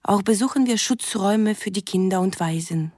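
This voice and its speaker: An actress as young Russian romantic letter writer, dry sound. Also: female voice, medium pitch, normal speed, darkish tone, dry recording, natural voice. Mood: earnest. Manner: stilted foreign grammar, reading letters aloud. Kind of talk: radio drama monologue.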